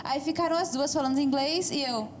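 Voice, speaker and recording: A high-voiced Brazilian woman rattles off a casual anecdote as a student guest on a talk show. She is chatty and a little self-conscious, and her words tumble quickly. Light noise underneath.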